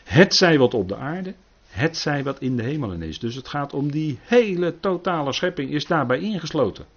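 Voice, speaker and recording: Husky-voiced man giving a bible talk. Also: fairly high pitch, lively intonation, moderate pace. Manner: emphatic, rising to loud stresses, frequent "hè" tags. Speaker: preacher. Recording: muffled lo-fi recording.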